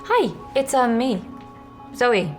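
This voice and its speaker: A woman's voice: on the high side, big pitch swings, slow. An actress playing an anxious young mother who protects her son, talking tensely and pleadingly. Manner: tense, pleading, hushed at times. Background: music.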